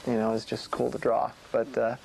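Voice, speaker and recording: A man's voice: mid-range voice, monotone, normal speed, creaky, darkish tone, rough recording. A man who works as a comic book artist, talking casually and hesitantly in a documentary interview. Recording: faint music under the voice.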